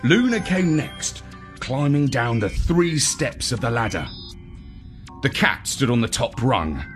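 A man reading a children's story in an expressive, deliberate, theatrical narrating style. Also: mid-range voice, faint music behind. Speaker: story reader.

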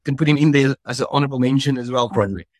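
Rambling rugby pundit. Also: male voice, mid-range voice, racing, a little mellow, dry recording. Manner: rambling, hesitant. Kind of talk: podcast discussion.

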